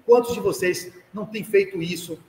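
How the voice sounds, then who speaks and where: A Brazilian man with a high voice gives a spiritist talk to a live audience, joking and turning to single listeners. He is heard in a roomy hall with a long echo and faint noise behind him. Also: normal speed. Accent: Brazilian Portuguese. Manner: lively, jokey, addresses listeners directly, acts out quoted parents. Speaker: spiritist lecturer. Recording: echoey hall recording with light background noise.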